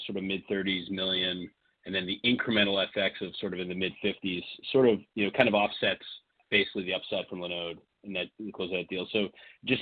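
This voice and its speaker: A man calling in as a financial analyst to ask questions on an earnings call, conversational and hedging. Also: lowish voice. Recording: muffled narrow phone line.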